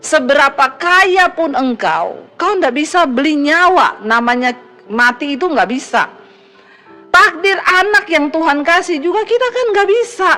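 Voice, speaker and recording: A woman pastor preaching an emphatic, conversational sermon that jumps suddenly in pitch. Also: animated, measured pace, bright, forceful tone, faint music behind.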